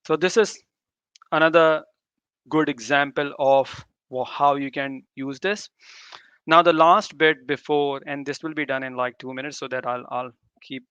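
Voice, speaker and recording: A man's voice: fairly high pitch, moderate pace, bright, forceful tone, clear, resonant tone, no echo, highs cut off. A man whose native language is Urdu gives an informal live tech demo, often repeating and rephrasing himself. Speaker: tech presenter. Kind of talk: live demo talk to developers.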